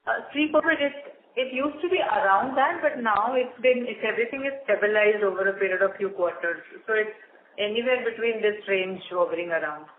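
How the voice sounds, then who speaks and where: A man's voice: sits high, a little fast. A man speaking as a company executive, giving answers on an earnings call. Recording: echoey, noisy, narrow conference line.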